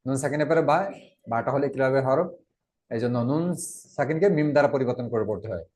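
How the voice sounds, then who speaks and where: A man's voice: mid-range voice, a little mellow. A man teaching Quran recitation to learners, reciting verses and patiently spelling out letters and vowel sounds one by one. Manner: patient, repeats letters and syllables slowly for learners. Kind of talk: tajweed lesson, reciting and explaining pronunciation.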